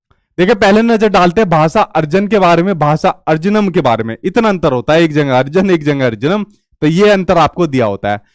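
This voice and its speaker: A man's voice: on the high side, dry recording, studio quality. A young man with a Hindi accent teaching an online exam-prep lesson, often restating points and checking in with listeners. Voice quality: repeats "ठीक है" and restates points.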